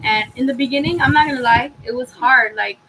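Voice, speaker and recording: A woman's voice: sits high, fairly quick, noisy background. A young woman from Inglewood, a podcast guest, talking in an earnest, reflective way and repeating her key phrases. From Inglewood, California. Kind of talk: casual podcast conversation.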